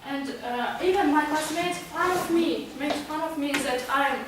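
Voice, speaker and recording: A woman with a Kazakh accent, a native Kazakh speaker, gives a motivational club speech. She speaks haltingly in a high voice, searching for words. The recording is very echoey and distant, with faint noise. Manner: halting, with long searching hesitations. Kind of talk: prepared amateur motivational speech. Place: meeting room, recorded from a distance.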